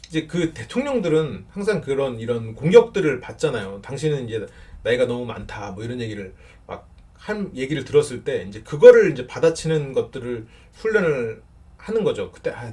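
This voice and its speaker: A middle-aged man giving casual counseling advice with a fairly loud voice, talking in an animated way and laughing often. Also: mid-range voice. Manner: animated, laughs often, acts out short example lines. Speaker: counselor answering viewer questions.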